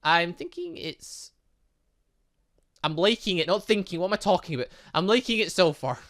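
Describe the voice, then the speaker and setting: A high-pitched, expressive man with a fairly bright tone speaks at a moderate pace while playing a visual novel for his gaming channel. Casual and chatty, he reads snippets of game text, thinks out loud, and mutters asides to himself.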